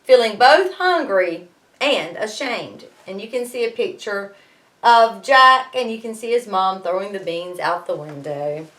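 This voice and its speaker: A woman teacher reading a storybook aloud to students in an expressive way, pausing to explain things. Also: mid-range voice.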